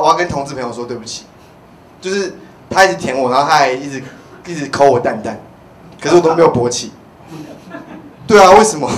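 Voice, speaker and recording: A young man with a Taiwanese accent doing open-mic stand-up in a rambling, stammering way that repeats phrases. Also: mid-range voice. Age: young adult. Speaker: stand-up comedian. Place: small indoor comedy club stage. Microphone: handheld microphone. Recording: roomy live venue, background noise.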